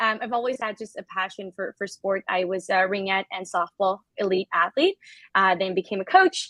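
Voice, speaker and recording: A woman with a Quebec accent talks at a moderate pace and medium pitch, with fairly even intonation. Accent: Quebec French-Canadian. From Quebec, Montreal. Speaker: sport psychologist. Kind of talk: podcast interview.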